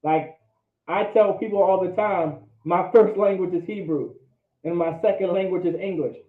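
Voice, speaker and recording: A language teacher's voice sits high, with fairly even intonation at normal speed, as he gives a classroom lecture. He drives his points home emphatically and repeatedly asks "all right?" to check that students follow. The audio is phone-like, from an echoey room.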